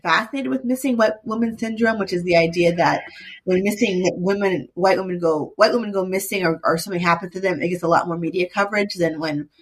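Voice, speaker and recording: A woman's voice: lowish voice, quick pace. A woman in her forties, an author, talking as a guest in a casual interview, with lots of fillers and restarts. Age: 40s. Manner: chatty, many fillers and restarts.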